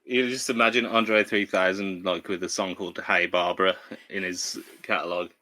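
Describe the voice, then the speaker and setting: A man's voice: sits low, level tone, moderate pace, pushed and bright. A man co-hosting a podcast, chatting casually with dry, wry humor. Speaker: podcast co-host. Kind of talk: casual chat.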